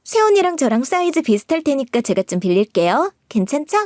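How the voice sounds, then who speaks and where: A woman's voice: high-pitched, big pitch swings, brisk, a little mellow, no echo, clean studio sound, voice pushed up. A woman voicing a brash young sister-in-law who talks in a whiny, wheedling and pushy way. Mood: gushing.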